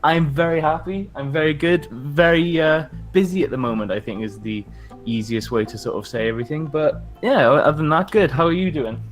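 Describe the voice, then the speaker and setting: A fairly quick, somewhat high-pitched man with a South Wales valleys accent talks casually as a podcast guest. He chuckles often as he chats, and faint music plays in the background.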